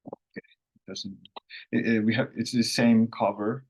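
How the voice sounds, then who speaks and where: A man who is a native Finnish speaker, hosting a casual online language lesson in an unhurried, rambling way with self-corrections. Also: on the low side, steady tone, breathy edge, rough recording. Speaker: language course host.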